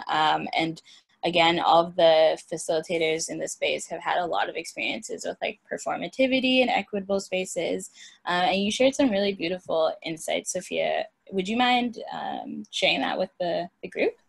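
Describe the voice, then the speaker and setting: A woman moderating an online panel over a video call, halting, with many ums and likes. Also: fairly low pitch, expressive, gravelly.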